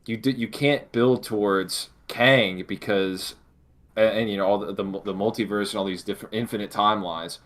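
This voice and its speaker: A man's voice: on the low side, fairly even intonation, normal speed, fairly bright tone. A man co-hosting a casual discussion, thinking aloud and often rephrasing as he goes. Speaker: podcast co-host.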